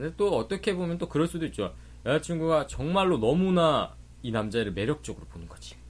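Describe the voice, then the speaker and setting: Fairly quick speech from a man, loudness swinging widely. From Gyeongsang region, South Korea. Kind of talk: casual chat with dialect demonstration. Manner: animated, laughs often.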